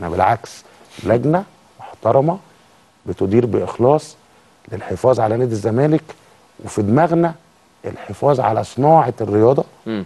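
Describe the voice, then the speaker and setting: A man's lively intonation at a moderate pace, broken by long, frequent pauses. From Egypt. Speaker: football club board member; guest. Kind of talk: TV interview. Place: studio. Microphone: lapel.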